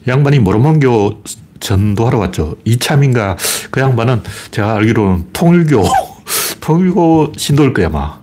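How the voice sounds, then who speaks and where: A man's voice: medium pitch, lively intonation, normal speed, few pauses, a little mellow. A man with a Gyeongsang dialect hosting a casual livestream, greeting viewers and rambling through opinionated, mocking commentary. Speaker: livestream host.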